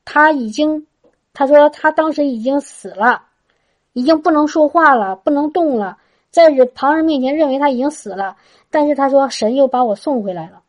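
A woman's voice: sits high, moderate pace. A woman telling a testimony to a congregation in a chatty way, with frequent restarts and a tag particle at the end of her phrases. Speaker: church speaker giving a testimony.

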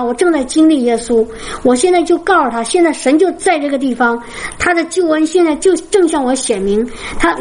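High-voiced woman giving fervent testimony. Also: a little mellow, slight background noise, low-quality recording. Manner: fervent, repetitive, halting restarts. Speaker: Christian testimony speaker. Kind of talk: emotional personal testimony to a congregation.

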